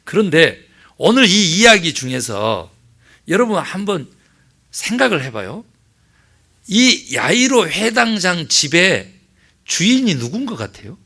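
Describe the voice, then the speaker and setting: A middle-aged male pastor preaches with a gravelly, bright voice, telling a Bible story and voicing its characters. His delivery jumps between loud, animated exclamations and quiet, hushed asides, with a lively melodic swing. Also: sits high, measured pace, long pauses. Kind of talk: sermon.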